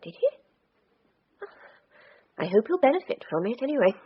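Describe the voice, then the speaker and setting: An actress playing a firm, dignified middle-aged mother in a period radio drama, measured and restrained. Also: fairly high pitch, sing-song, breathy edge. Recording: dull lo-fi radio recording.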